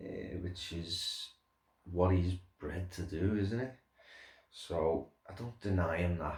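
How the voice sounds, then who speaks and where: A man's quiet, calm, relaxed voice with a British accent, very deep, low pitch and fairly even intonation. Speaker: pet owner vlogger. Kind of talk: casual chat to camera.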